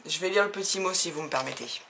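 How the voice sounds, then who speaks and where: A woman's voice: lowish voice, quick pace, gravelly, sharp tone. A woman from France chatting casually as she opens fan mail for her craft videos, laughing often and gushing with enthusiasm. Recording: audible background noise.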